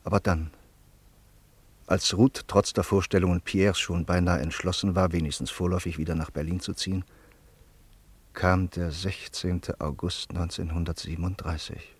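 A man acting as the grave, measured storyteller of a German radio drama, reading scripted narration in a husky voice. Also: low-pitched, steady tone.

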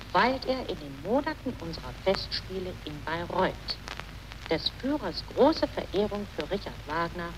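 A woman's voice: fairly low pitch, background noise. A woman reading solemnly and declaiming from a script in an archival 1930s radio interview.

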